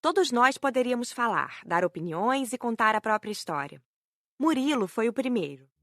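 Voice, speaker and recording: A woman with a Brazilian accent reading scripted first-person audiobook narration, measured and carefully enunciated. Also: fairly high pitch, very animated, a bit bright, dry recording, studio quality. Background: music bed.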